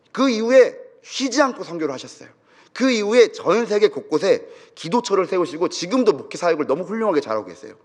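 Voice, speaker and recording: A young adult man, a pastor, telling a story in a sermon with dramatic feeling. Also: sits high. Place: church sanctuary. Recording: church hall with long reverb.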